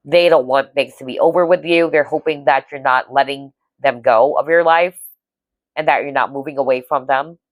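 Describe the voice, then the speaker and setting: Low-voiced woman giving a tarot reading. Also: moderate pace, dry recording. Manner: chatty, reassuring, frequent "okay?" check-ins. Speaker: tarot reader. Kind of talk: casual tarot reading monologue.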